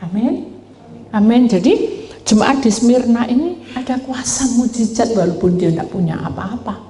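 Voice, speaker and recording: A woman pastor preaches in a lively storytelling way and acts out the people in her stories. Her voice is mellow and dark. The sound is echoey, with a long reverb from a large church hall. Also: fairly high pitch, moderate pace, a little hiss or hum. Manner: animated storytelling, acting out quoted voices, addresses congregation. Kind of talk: sermon.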